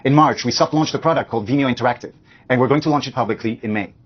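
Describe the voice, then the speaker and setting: A man's voice: medium pitch, racing, husky, muffled recording. A man speaking as a company executive, reading prepared earnings call remarks in a businesslike manner.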